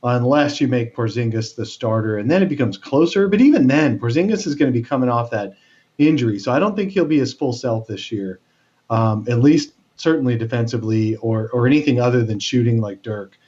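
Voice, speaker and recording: A man's voice: mid-range voice, lively intonation, fairly quick, darkish tone. A man co-hosting a casual sports podcast, talking with lots of fillers and restarts. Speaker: podcast co-host. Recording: dull lo-fi sound.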